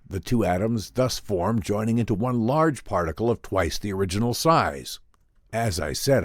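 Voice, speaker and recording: A man voicing an earnest, learned inventor professor in a dramatic radio-style reading, formal, deliberate and explanatory. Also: fairly low pitch, darkish tone, no echo, studio quality. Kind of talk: dramatic audiobook reading in old-time radio drama manner.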